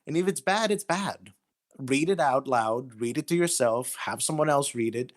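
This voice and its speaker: A man's voice: mid-range voice, animated, normal speed. A man speaking as an interviewed writer in a casual, earnest, plain-spoken and matter-of-fact way.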